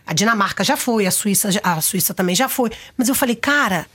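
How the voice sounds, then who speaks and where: A middle-aged Brazilian woman with a Brazilian accent, a guest on a talk show, telling stories in a lively, expressive way into a studio mic. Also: medium pitch, fairly quick, husky. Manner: animated, expressive storyteller. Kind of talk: casual conversational interview. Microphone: studio microphone.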